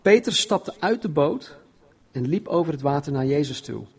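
A man's voice: on the high side, animated, normal speed, vocal fry, breathy edge. A man preaching an informal sermon and reading Bible passages aloud, often stumbling and repeating words as he talks.

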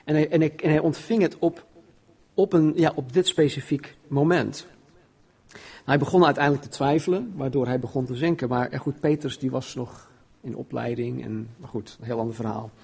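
A man's voice: medium pitch, moderate pace, vocal fry, darkish tone, husky. A man preaching an informal sermon and reading Bible passages aloud, often stumbling and repeating words as he talks.

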